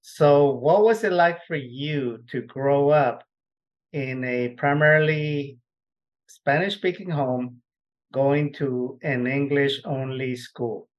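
A man hosting an interview podcast, opening with a formal, measured introduction before asking his guest questions. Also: mid-range voice, dull audio. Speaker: podcast host. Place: Texas.

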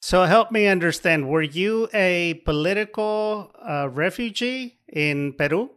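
A man hosting an interview podcast, reading a formal scripted intro and then asking questions in a measured way. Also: high voice, expressive, fairly bright tone, clean tone. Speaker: podcast host.

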